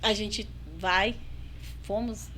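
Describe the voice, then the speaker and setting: A woman's voice: medium pitch, fairly even intonation, very slow, pushed and bright, slight background noise. A woman with a Brazilian Portuguese accent, a podcast guest in ministry, telling a story and acting out the dialogue in a casual chat.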